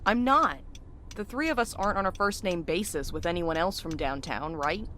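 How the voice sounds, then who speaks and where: A lowish female voice, dry and skeptical, belonging to a blunt, sardonic woman. She is curt in her audio drama dialogue, with faint noise behind her. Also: expressive, normal speed, fairly bright tone.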